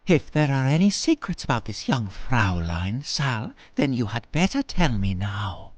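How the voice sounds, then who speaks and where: A woman's voice: very deep voice, big pitch swings, unhurried, a little mellow, no echo, exaggerated voice. A woman voicing a prim, old-fashioned, inquisitive confidant in an audio drama, with proper, theatrical exclamations. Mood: probing.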